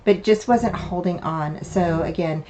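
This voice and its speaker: An older woman, hosting a card-making tutorial in a casual, rambling way with many fillers. Her voice is a little raspy and hoarse from a lingering cough. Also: fairly low pitch, moderate pace, noisy background. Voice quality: slightly raspy. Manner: chatty, meandering, with many fillers and restarts. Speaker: craft channel host. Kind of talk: casual craft tutorial narration.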